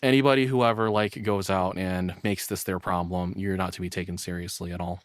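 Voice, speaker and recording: A man's voice: low-pitched, fairly even intonation, fairly quick, no echo, clean studio sound. A man giving casual reaction commentary in a rambling, informal, sweary way. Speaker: reaction streamer.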